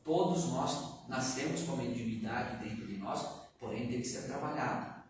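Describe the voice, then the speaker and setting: A man with a Brazilian Portuguese accent giving a lively spiritist lecture to a live audience, asking them questions and chuckling often. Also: medium pitch, normal speed. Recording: echoey room, far from the mic, background noise.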